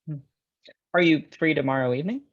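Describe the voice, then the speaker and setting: Bashful, higher-voiced man, acted, muffled recording. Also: brisk, close to an everyday voice. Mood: bashful, smitten. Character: shy, curious, smitten male customer. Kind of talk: script table read acting.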